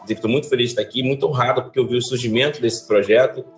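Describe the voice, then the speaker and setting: A man's voice: medium pitch, racing, echoey room, faint music behind. A man in his forties from Salvador, Brazil, a finance educator, talking animatedly with his hands as a guest in a video-call interview. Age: 40s. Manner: animated, gestures with both hands while explaining. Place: office with large windows.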